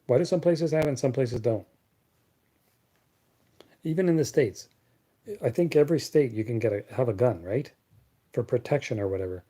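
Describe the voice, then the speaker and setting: A man's voice: medium pitch, dark tone. A man from Canada hosting a casual live Q&A chat, blunt and sarcastic, rambling and repeating words as he talks. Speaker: live stream host.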